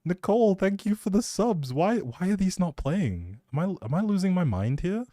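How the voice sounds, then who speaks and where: A man's voice: high voice, sing-song, moderate pace, warm tone, dry recording. A man hosting a livestream, rambling casually and chattily, often breaking off mid-thought, speaking close to the mic. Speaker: live streamer, host.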